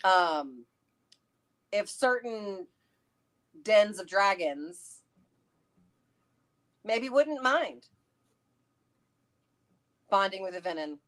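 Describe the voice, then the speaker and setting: A woman chatting casually and excitably, theorizing and thinking aloud as co-host of a livestream. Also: mid-range voice, very slow, long pauses. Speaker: co-host of a book read-along livestream. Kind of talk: casual chat, theorizing about a fantasy novel.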